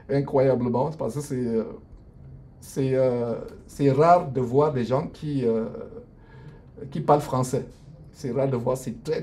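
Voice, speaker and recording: A middle-aged man with a mellow, dark voice preaches on an unscripted live stream. He speaks in an earnest, preachy way, stalling often on long fillers and restarting his sentences. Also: medium pitch. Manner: hesitant, many drawn-out fillers and restarts. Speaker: lawyer and online minister. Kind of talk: improvised live stream, answering viewers. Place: his law office at lunch break.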